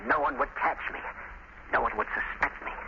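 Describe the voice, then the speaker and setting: A man's voice: brisk, natural voice. Guy doing crazed villain doctor in an old radio thriller, bitter, theatrical, dull hissy sound. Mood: bitter, gloating. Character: bitter, cornered murderous doctor, gloating and unhinged. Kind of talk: 1930s radio melodrama acting. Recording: muffled, faintly noisy 1930s radio recording.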